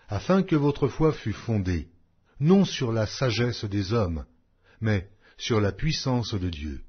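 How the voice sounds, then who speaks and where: Deep-voiced man reading scripture slowly. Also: husky, muffled recording. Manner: measured, declamatory, with deliberate pauses. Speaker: audiobook narrator of scripture. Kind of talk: solemn scripted Bible reading.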